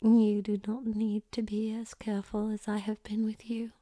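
A woman voicing a young foreign woman who gives orders in a measured, formal whisper. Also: mid-range voice, completely flat delivery, dark tone, dry recording, lightly acted. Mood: cool commanding. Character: commanding foreign young woman, cool and controlled.

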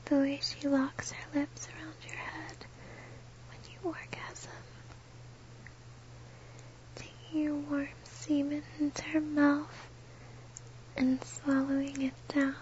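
A woman whispering slowly and intimately, close to the listener, in an erotic audio. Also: high-pitched, little pitch movement, darkish tone, highs cut off, a little hiss or hum. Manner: slow, breathy, close whisper.

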